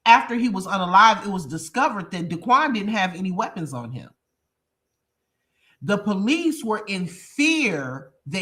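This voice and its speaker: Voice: mid-range voice, bright, forceful tone. A congested, sniffling reaction channel host giving emphatic commentary on a case, repeating points and explaining to viewers. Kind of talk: commentary on a true crime case.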